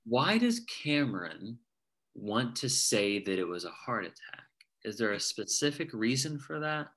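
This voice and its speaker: A man in a table read discussion, curious and agreeable, asking questions and quickly agreeing. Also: mid-range voice, big pitch swings, fairly bright tone. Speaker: cast member. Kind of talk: casual discussion.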